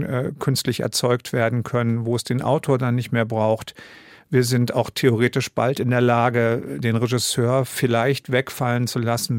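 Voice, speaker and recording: A man's voice: medium pitch, no echo, clean studio sound. A man in his fifties, a radio drama director and author, answering interview questions in a thoughtful, self-doubting way with many fillers and restarts. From Germany. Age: 50s.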